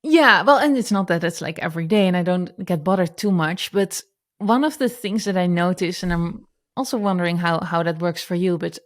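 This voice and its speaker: A woman in her thirties with a strong Dutch accent, speaking in a fairly low voice. She chats freely as a guest, restarting sentences and laughing easily. The sound is a video call connection. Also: brisk. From Netherlands. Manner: chatty, self-correcting, laughs easily. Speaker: guest entrepreneur. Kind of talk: casual interview.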